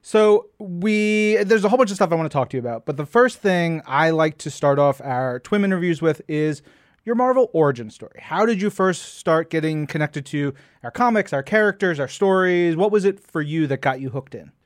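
A man's voice: on the high side, animated, normal speed, dry recording, studio quality. A man hosting a podcast in an upbeat, playful and emphatic way. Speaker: podcast host and interviewer.

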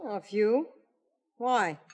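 A scheming young woman who sounds chatty and harmless while hiding her intent. Her voice sits at a middling pitch, and her friendliness has a cool, mocking edge. This is old-time radio drama acting. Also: extremely slow. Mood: falsely friendly. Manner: falsely friendly, then coolly mocking.

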